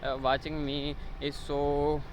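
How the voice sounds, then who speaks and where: A man whose first language is Urdu talks to the camera outdoors in hesitant English, pausing often on filler sounds. His voice sits a little high. Faint traffic and outdoor noise run underneath. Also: monotone, poor audio. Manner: halting non-native English, frequent uh fillers. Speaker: vlogger. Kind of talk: casual outdoor vlog. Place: outdoors in a village near a road.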